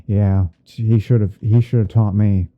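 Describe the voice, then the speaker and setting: Guy doing a mellow tv painting teacher asmr stream, low murmury voice, kinda halting, tinny lo-fi sound. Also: fairly even intonation, close to an everyday voice. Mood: gentle, easygoing. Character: gentle male TV painting instructor, soft-spoken and easygoing. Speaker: livestream host. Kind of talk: ASMR roleplay livestream while editing images.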